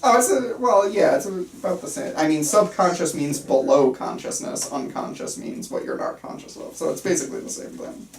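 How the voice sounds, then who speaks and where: A man's voice: on the high side, lively intonation, normal speed, gravelly, hardly any pauses, a little hiss or hum. Roomy, distant man talking in enthusiastic tangents. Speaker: participant at a film script table reading. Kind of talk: casual rambling discussion.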